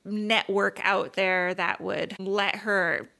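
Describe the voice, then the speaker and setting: A woman co-hosting a casual podcast, chatty and expressive, often tossing out questions. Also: medium pitch, slow, gravelly. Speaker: podcast co-host. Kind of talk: casual chat.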